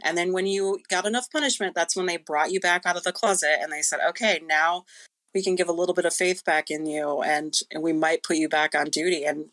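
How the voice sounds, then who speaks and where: Lower-pitched woman, casual podcast guest. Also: steady tone, fairly quick, a bit bright. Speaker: podcast guest, creative director. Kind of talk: casual discussion.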